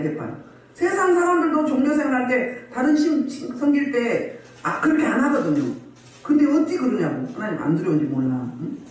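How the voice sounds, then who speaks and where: A woman's voice: fairly high pitch, darkish tone. Woman preaching in an echoey church hall. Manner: scolding, asks the congregation rhetorical questions. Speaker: pastor. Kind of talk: sermon at a healing service. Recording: very echoey hall, voice far from mic.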